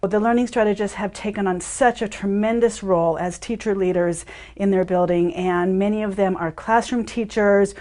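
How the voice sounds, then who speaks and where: A woman's voice: medium pitch, steady tone, moderate pace, mellow. A woman speaks fluently in an interview as a district administrator. Her tone is appreciative. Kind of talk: interview answer.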